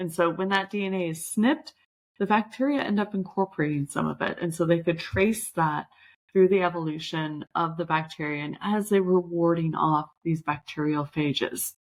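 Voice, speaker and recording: The speaker has a Californian accent and ordinary pitch variation, talking at a moderate pace. The recording is very clean, with a silent background. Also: woman, fairly low pitch for a woman. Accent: California. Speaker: science podcast host, immunologist. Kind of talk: educational lecture.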